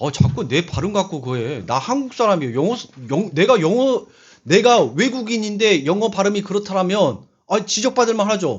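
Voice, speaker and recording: A man with a Jeolla accent speaks at a high pitch and a moderate pace. His animated tone carries very wide pitch swings. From Jeolla region, South Korea. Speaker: pastor. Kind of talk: sermon. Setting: church. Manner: animated, rhetorical questions.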